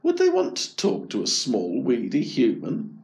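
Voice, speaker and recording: A man narrating a children's story aloud. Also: mid-range voice. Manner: slow, expressive storytelling.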